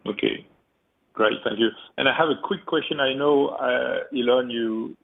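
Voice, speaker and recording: A man's voice: mid-range voice, moderate pace, creaky. A man calling in as an analyst to put questions on an earnings call, over a tinny phone line. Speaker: caller asking questions, analyst.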